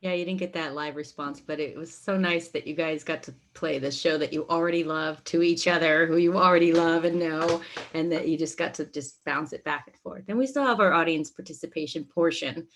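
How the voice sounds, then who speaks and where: A woman's voice: low voice, a little fast. A woman speaking casually as a member of a theater team in a group discussion. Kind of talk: casual chat.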